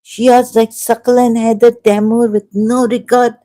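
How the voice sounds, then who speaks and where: A woman's voice: a little high, flat delivery, unhurried, warm tone. A woman giving a solo commentary, reading verses aloud and thinking aloud as she argues. She breaks off mid-phrase and asks her listeners questions.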